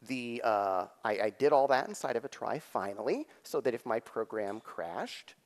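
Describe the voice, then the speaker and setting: A middle-aged man with a mid-range voice gives a live technical keynote with demonstrations from a lectern on a theater stage. He explains in an animated way, pausing often and adding emphasis, and the theater hall gives the recording an echoey reverb.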